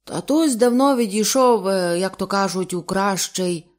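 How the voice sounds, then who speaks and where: A blunt, jovial old sea captain, stout and weathered, played by a woman reading an audiobook. He drawls his words slowly, in a hearty, plain-spoken way, with the gruff ease of a man long at sea. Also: mid-range voice, natural voice.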